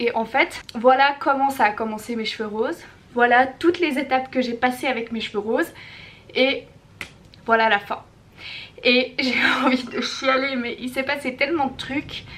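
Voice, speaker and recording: A woman speaks at a fairly slow pace with a high pitch and ordinary pitch variation. She leaves long, frequent pauses. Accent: slight Vaud. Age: 20s. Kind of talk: casual talk to camera. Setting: home, no external microphone.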